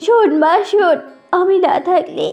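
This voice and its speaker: A woman's voice: extremely high pitch, a little slow, darkish tone, highs cut off, soft background music. A woman voicing a protective mother duck in a children's cartoon, motherly, encouraging and instructive. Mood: weak, solemn.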